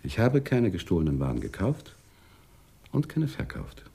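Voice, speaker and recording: An actor playing a polite, evasive Arab businessman in a radio drama, speaking in a measured, musing, formal way. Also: deep voice, huge pitch swings, gravelly, mellow, slightly rough, exaggerated voice. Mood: matter-of-fact, polite.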